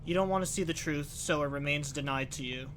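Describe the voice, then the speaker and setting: A man's voice: on the high side, a little fast, a bit bright. A man streaming a game, reading text aloud and commenting casually, recorded with background noise. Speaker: let's play streamer.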